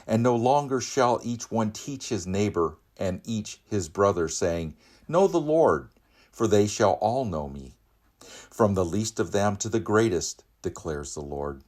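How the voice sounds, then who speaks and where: A man with a very low voice reads scripture as a lay reader in church. His delivery is solemn, measured and declamatory. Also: lively intonation, darkish tone.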